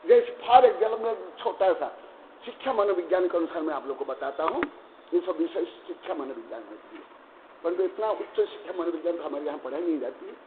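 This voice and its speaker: High-voiced man teaching in an echoing hall. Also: animated, a little fast, slight background noise. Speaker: Jain monk teaching scripture. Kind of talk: scripture class lecture. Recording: echoey, tinny lo-fi hall recording.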